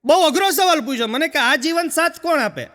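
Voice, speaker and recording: A man doing lively stand-up jokes and teasing the audience. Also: very high-pitched, a little fast, in a large hall. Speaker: stand-up comedian.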